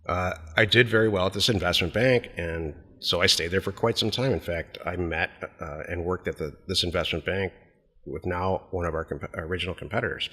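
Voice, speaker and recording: A man's voice: low-pitched, pushed and bright, long reverb tail. A middle-aged American man co-hosting a podcast, chatting casually about business in a blunt, plain-spoken way. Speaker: podcast co-host.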